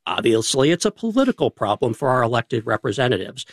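A man with a New York accent, a state economist giving measured, articulate explanations on a radio panel. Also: medium pitch, big pitch swings, no room sound, clean studio sound. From New York City. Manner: articulate, deliberate, uses rhetorical questions.

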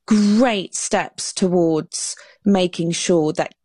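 A woman with a lowish voice talks through her ideas in an earnest, explaining way, and sometimes she restarts a phrase. The sound is dry and close. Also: drawn-out words, warm tone, dry recording. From England. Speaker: author and guest. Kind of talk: radio panel discussion.

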